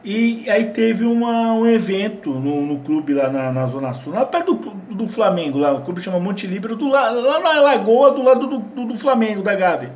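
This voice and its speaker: Brazilian guy rambling thru viewer questions, lots of restarts, fairly high voice, echoey room. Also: animated, normal speed, hardly any pauses, darkish tone. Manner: rambling, many restarts and repeated words. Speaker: channel host answering viewer questions. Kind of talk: casual Q&A chat.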